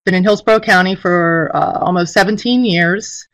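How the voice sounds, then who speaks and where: A woman's voice: on the low side, moderate pace, a bit bright. A middle-aged woman giving an informal instructional presentation as a teacher, speaking over a video call. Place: indoor room, on a webcam video call.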